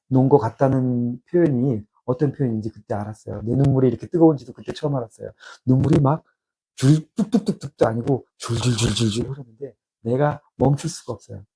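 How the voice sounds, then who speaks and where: Guy in his 50s telling his faith story, dark gravelly voice, stops and restarts a lot. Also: medium pitch. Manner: halting, reflective storytelling with many restarts. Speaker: theologian giving testimony. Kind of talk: personal spiritual testimony.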